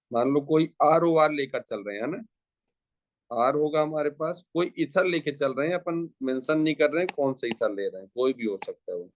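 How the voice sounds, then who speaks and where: A man's voice: fairly high pitch, no echo. A man teaching a chemistry lecture who repeats his phrases and asks rhetorical questions as he talks students through each step. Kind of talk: classroom lecture.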